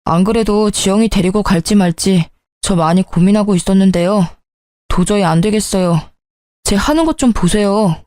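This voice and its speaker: A woman's voice: mid-range voice, moderate pace, a little mellow, no echo, clean studio sound, lightly acted. Woman reading an irritable grown son. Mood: irritated. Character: earnest young adult son, tense and irritable.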